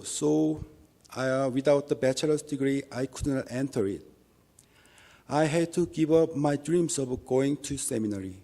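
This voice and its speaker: A man with a Korean accent gives a church testimony in English, speaking slowly and with real care. His voice is mellow and carries a gravelly edge, and he restarts phrases now and then in an earnest, halting way. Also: mid-range voice. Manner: earnest, halting, measured delivery with small restarts. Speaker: lay minister giving testimony.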